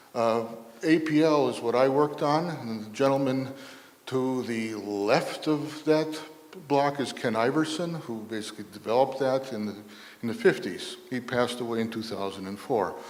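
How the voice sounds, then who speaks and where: With an American accent, a man talks at a moderate pace and medium pitch, with ordinary pitch variation. Noticeable background noise and audible room echo surround him. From Chicago, US Midwest. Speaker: software consultant and conference speaker. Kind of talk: lightning talk at a conference. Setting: stage with audience.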